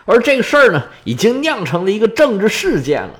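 Animated male storyteller. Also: high-pitched. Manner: animated, chatty with many drawn-out particles. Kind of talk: casual storytelling narration.

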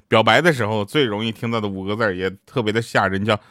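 A young man telling short comic anecdotes in a lively way, jumping up in pitch when he quotes other people. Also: fast talker, dry recording. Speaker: joke teller.

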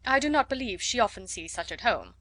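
A fussy, excitable middle-aged mother, as a woman reader puts her on, her voice pushed loud and a little high with fretful exclaiming. The reading is dry and close, with no room sound at all. She sounds like a storybook character who is always in a flutter. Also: fairly quick, no echo, rough recording. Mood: fretful excited. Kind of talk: audiobook character voice.

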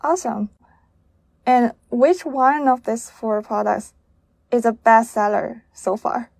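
A woman hosts an interview, posing her questions in a curious, measured way. Her voice sits a little high and sounds dry and close to the mic. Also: vocal fry, darkish tone, no echo. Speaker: interviewer, host.

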